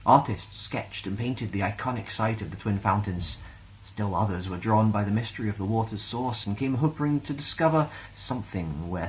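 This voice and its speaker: A man with a Scottish accent reading a children's fantasy story aloud in an expressive storytelling style. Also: fairly low pitch, low-quality recording. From Glasgow, Scotland.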